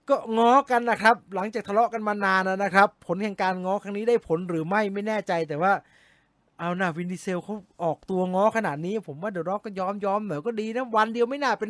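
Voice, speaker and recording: A man hosting a casual movie news recap, chatty and given to sudden excited exclamations. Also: high voice, dry recording, studio quality. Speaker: movie news show host.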